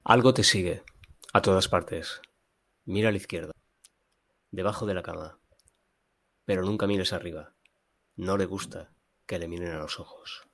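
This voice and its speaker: A man's voice: sits low, steady tone, moderate pace, pauses often, a bit bright. A man playing a sinister narrator of a macabre horror tale, dramatic and ominous. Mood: hushed, menacing.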